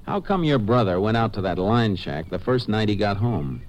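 An actor playing a calm, terse Texas Ranger asking methodical questions in a 1950s western radio drama. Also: male voice, on the low side, moderate pace, natural voice. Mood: calm, probing. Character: steady, probing Texas Ranger investigator, adult man. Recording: noisy old-time radio recording.

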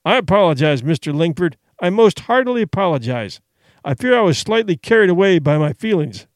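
A man's voice: high-pitched, big pitch swings, a little fast, no room sound. A man voicing a blunt, hot-tempered man who speaks curtly and firmly. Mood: apologetic.

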